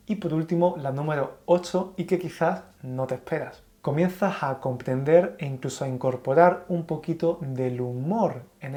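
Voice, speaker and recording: A man from Andalusia, speaking with an Andalusian Spanish accent, giving a calm and clearly explained Spanish lesson to learners. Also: on the high side. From Andalusia, Spain. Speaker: Spanish teacher. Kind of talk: scripted online Spanish lesson.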